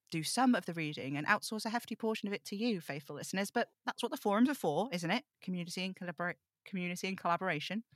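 A woman's voice: fairly low pitch, a bit bright, no room sound, studio quality, natural voice. A woman playing a rambling, fretful young amateur occult investigator in an audio drama table read, chatty and self-interrupting, confiding in her listeners. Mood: wry, musing.

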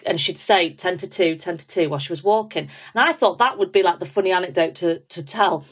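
A woman's voice: on the low side, a little fast, husky. A woman in her thirties with a Yorkshire accent, a comedian chatting on a podcast and telling stories full of likes and ums. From Yorkshire, England. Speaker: comedian guest. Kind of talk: casual podcast chat.

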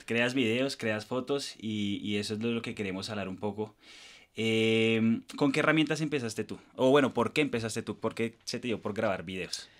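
A man's voice: fairly low pitch, moderate pace, a bit bright. A man hosting a podcast, asking questions and reacting with short prompts in a casual chat. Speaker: podcast host.

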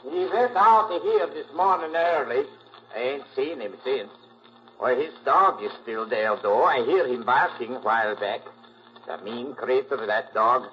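An actor playing a talkative country gas-station attendant in a 1940s radio drama, with plain, rustic, ungrammatical speech. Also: male voice, mid-range voice, slight background noise, natural voice. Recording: muffled 1940s radio recording.

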